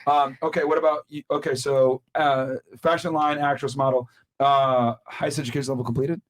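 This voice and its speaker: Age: adult. Sex: man. Role: podcast host. Delivery: rapid, blunt questions, mid-pitched voice. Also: little pitch movement. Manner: quick, blunt questioning with frequent restarts. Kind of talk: casual panel interview.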